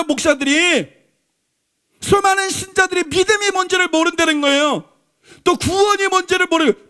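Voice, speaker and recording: A man with a strikingly high voice preaches from the pulpit of a church. He drives each point home by repeating it and keeps turning to the congregation with rhetorical questions. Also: fairly bright tone. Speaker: pastor. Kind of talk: Sunday sermon. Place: church sanctuary.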